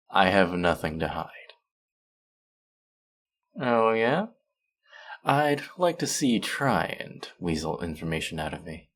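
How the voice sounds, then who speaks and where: Guy acting as a friendly teasing young dude, really low voice, takes his time, casual roleplay style. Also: sing-song, takes it slowly, pauses often, heavily acted. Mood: teasing, intrigued. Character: friendly, teasing, bashful young male traveler. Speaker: voice actor in an audio roleplay. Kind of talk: intimate one-sided roleplay acting, conversational.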